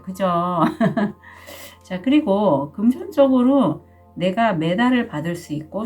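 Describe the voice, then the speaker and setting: A middle-aged woman with a cold-roughened voice, chatting casually through a tarot reading with small laughs and fillers. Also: medium pitch, darkish tone. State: sore throat from a cold. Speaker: tarot reader.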